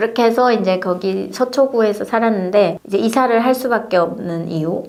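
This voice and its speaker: A woman's fairly high-pitched voice with a North Korean accent, over noticeable background noise. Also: ordinary pitch variation, moderate pace. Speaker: North Korean defector sharing her story. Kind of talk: personal testimony monologue.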